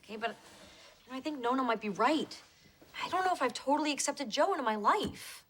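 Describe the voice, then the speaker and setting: An actress playing a flustered, wisecracking woman who is quick to defend herself, in a broad sitcom style. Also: high voice, slight background noise. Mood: wry, rattled. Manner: animated, defensive, wry.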